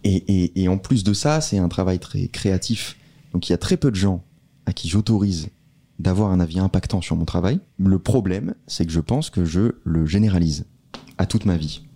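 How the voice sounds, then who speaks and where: A man co-hosting a casual podcast, laying out ideas in a steady, measured way. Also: low voice, gravelly. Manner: explains rules in a steady, measured way. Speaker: podcast co-host.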